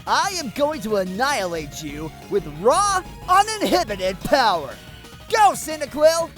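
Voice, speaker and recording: A woman's voice: high voice, sing-song, a little slow, soft background music. A woman voicing a cocky, dramatic boy villain who is grandiose, petulant and easily flustered, in a comedic cartoon fan dub. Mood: grandiose, menacing.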